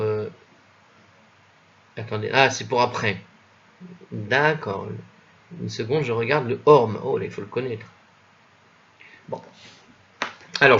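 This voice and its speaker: A man teaching a commented reading of an old religious text, thinking aloud with many hesitations and self-corrections, slowly sounding out foreign words. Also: mid-range voice, gravelly, pushed and bright, lo-fi sound. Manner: spells out Hebrew and Old French words slowly. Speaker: Talmud study teacher.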